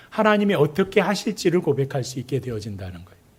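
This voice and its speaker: Recorded very cleanly against a silent background, a man with a Chungcheong accent and a fairly high pitch uses vocal fry, very wide pitch swings and an animated tone. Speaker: pastor. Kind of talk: sermon.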